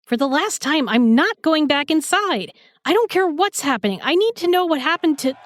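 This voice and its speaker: A woman's voice: high voice, very animated, moderate pace, no room sound. A woman playing a feisty, sarcastic young sidekick in a fantasy audio drama, slangy and defiant.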